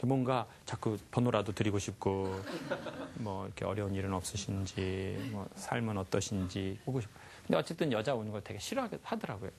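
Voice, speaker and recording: A man giving a lively life lecture to a live audience, often asking them questions and acting out sounds. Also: on the low side, vocal fry, a little hiss or hum. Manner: animated, asks the audience questions, acts out sounds.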